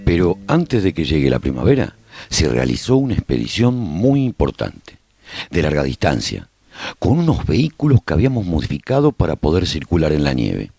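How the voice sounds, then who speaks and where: Deep, husky man acting as a survivor broadcaster. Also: huge pitch swings, moderate pace, warm tone, faint music behind, exaggerated voice. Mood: reflective storytelling. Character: male survivor broadcasting his community's story after humanity's collapse. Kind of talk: radio serial monologue, storytelling to listeners.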